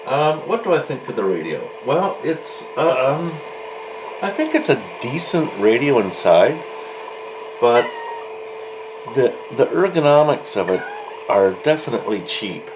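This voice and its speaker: A man giving a casual, unscripted product review as a hobbyist, halting and mildly grumbling, pausing mid-sentence. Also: mid-range voice, sing-song. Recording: faint background room noise.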